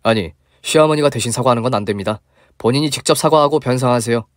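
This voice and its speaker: A man's voice: medium pitch, fast talker, no room sound, studio quality, close to an everyday voice. A man as a firm polite buffet manager. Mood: insistent. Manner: formal, insistent.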